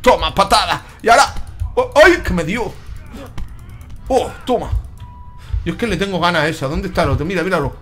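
Boisterous high-voiced gamer. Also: male voice, animated, brisk, pauses often, a bit bright, faint music behind. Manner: boisterous, joking, exclaims sound effects. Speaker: gaming YouTuber. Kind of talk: excited gameplay commentary.

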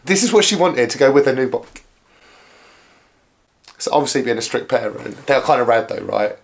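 A hoarse man in his thirties chatting casually to camera about bikes in a small living room. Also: medium pitch, lively intonation, moderate pace. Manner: chatty, upbeat, full of filler "like"s. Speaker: bike vlogger. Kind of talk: casual vlog chat to camera. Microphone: camera close up.

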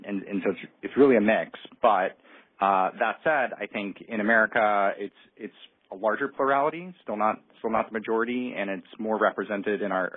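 A man's voice: fairly low pitch, husky, no echo. A man answering analyst questions as a company executive, hesitant and careful to hedge his points. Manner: hesitant, hedging. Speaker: company executive on an earnings call. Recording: muffled narrowband phone line.

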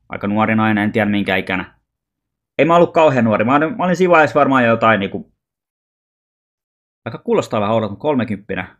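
A man's voice: medium pitch, fairly bright tone. A man telling a personal story in a loose, rambling vlog monologue, informal and often swearing. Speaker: vlogger.

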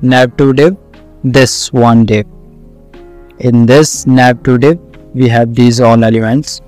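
Slow, clear South Asian man teaching. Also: mid-range voice, fairly even intonation, darkish tone, faint music behind. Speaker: coding tutorial instructor. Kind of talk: screen-recorded tutorial, explaining step by step.

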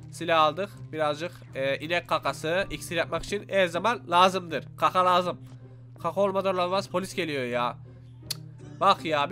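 A young man giving excited let's-play commentary, exclaiming and talking to his viewers as he plays. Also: high-pitched. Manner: animated, exclaims and talks to viewers. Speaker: gaming YouTuber. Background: faint game music.

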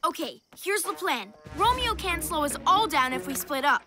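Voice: high-pitched, animated, normal speed. A performer voicing a caring, decisive child superhero in a children's cartoon, urgent and encouraging. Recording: loud music behind voice.

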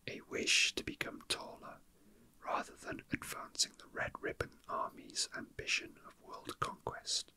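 Whispering ASMR man, breathy and bright. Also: poor audio. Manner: hesitant, musing to himself. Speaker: ASMR host. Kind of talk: whispered ASMR, casual rambling while handling a figurine.

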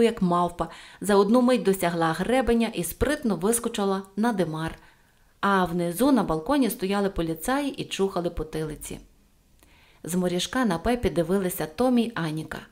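A woman narrating a children's audiobook in an expressive, lively reading style. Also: medium pitch. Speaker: audiobook reader. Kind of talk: storybook narration.

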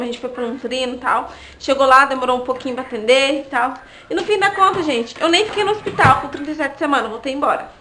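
Chatty young Brazilian-style vlogger woman, high voice. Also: pushed and bright, slight background noise. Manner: chatty, often asks the audience "né, gente?". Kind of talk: casual storytelling vlog.

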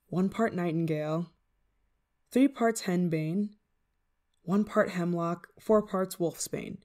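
A woman playing an eager, affectionate, scatterbrained novice witch in an ASMR roleplay, coaxing the listener in a giggly manner. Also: lowish voice. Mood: chatty, flustered. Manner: giggly, coaxing, hesitant asides. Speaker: roleplay voice performer.

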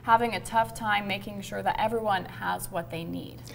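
A woman's voice: mid-range voice, steady tone, normal speed, vocal fry, a little hiss or hum. A woman news anchor with a Midwestern American accent, asking conversational questions in a live TV studio interview.

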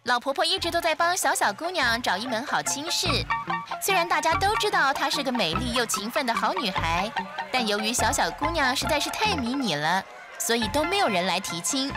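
Children's fairy-tale narrator: woman, high and very lively, expressive delivery over prominent music. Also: brisk. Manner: expressive, clearly told. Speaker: storyteller narrator.

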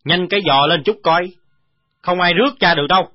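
A woman voicing a short-tempered male soldier who scolds and mutters roughly, in a dull lo-fi audiobook recording. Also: low-pitched, sing-song, moderate pace, dry recording, pitched below the performer's own voice, heavily acted. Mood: gruff scolding.

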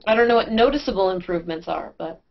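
A woman's voice: mid-range voice, expressive, fast talker, creaky. A woman in her thirties co-hosting a live science webcast from home on a headset, bantering playfully and laughing often. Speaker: science show co-host. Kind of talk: casual chat on a live webcast. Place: bedroom at home, indoors. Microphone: headset mic, video call. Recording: dull lo-fi webcast audio.

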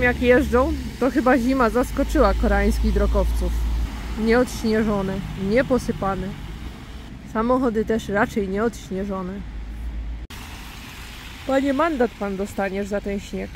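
A woman from Poland in her thirties chats into a phone at arm's length during a casual vlog, walking outdoors under an umbrella on snowy city streets. Chatty, playful and self-ironic, she speaks unhurriedly in a slightly high voice with lively intonation. Faint street noise and passing cars sit in the background.

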